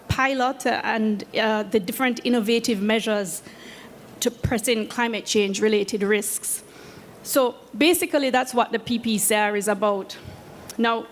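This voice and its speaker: A woman with a Jamaican accent giving a prepared talk as a program head, earnest and measured. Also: on the high side, in a large hall, a little hiss or hum. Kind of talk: prepared presentation. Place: event space at a conference.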